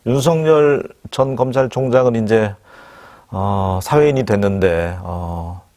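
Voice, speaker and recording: A man's voice: lowish voice, measured pace, a little mellow. A man hosting a broadcast interview, asking conversational questions and often chiming in with short acknowledgements.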